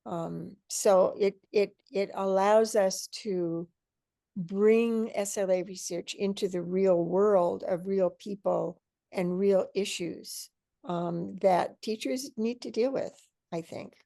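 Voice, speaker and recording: An older woman explaining things thoughtfully on an online panel, in a measured, emphatic way, as a teacher educator. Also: mid-range voice, vocal fry, warm tone, no room sound, clean studio sound. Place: indoor room at home or office, video call.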